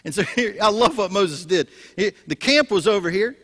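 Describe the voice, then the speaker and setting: A male pastor preaching a sermon, telling stories with lively energy and frequent restarts. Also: high-pitched, moderate pace. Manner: storytelling, animated, frequent restarts. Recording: echoey hall.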